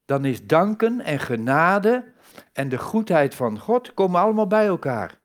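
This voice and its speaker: A man's voice: on the high side, unhurried. Man preaching with rhetorical questions. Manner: conversational, rhetorical questions, lively emphasis. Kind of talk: sermon.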